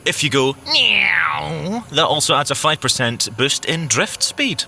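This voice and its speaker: A man playing an excitable, playful, nerdy secret agent scientist in an audio drama, with a boyish, eager way of talking. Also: fairly high pitch, a little slow, vocal fry, exaggerated voice. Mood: gleeful. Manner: boyish, eager, geeky, swooping delivery.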